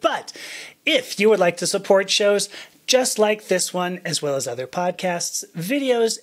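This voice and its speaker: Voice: mid-range voice, fairly bright tone. A podcast host interviewing a guest over a video call from a home office, chatty and self-deprecating, often restarting sentences. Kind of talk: conversational interview. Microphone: studio mic on a boom arm, video call.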